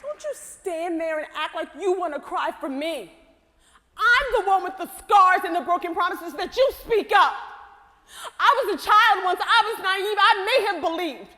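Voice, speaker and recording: A woman's voice: extremely high pitch, animated, normal speed, pushed and bright, a faint crowd, full character voice. An actress playing a weary woman who has lost hope, speaking bitterly and defeatedly. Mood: defiant. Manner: bitter, defeated, rising to defiant. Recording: reverberant hall.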